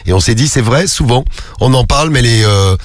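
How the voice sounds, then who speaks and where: A man's voice: mid-range voice, animated, brisk, no room sound, studio quality. A man hosting a live call-in radio show, chatting loosely and joking with his co-hosts and callers, with many fillers.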